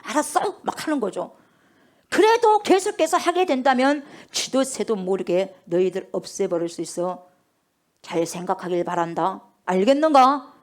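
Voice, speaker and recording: A woman's voice: mid-range voice, sing-song, normal speed, voice pushed down, natural voice. Menacing priests acted by a woman preacher, bossy and threatening. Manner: threatening, commanding.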